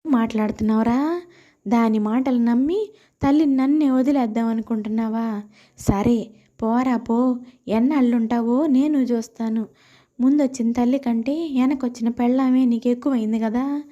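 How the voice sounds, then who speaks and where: A woman voicing a bitter, domineering older mother-in-law with a sharp-tongued, taunting manner in a moral story. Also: on the high side, normal speed, dull audio, natural voice. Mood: bitter, defiant.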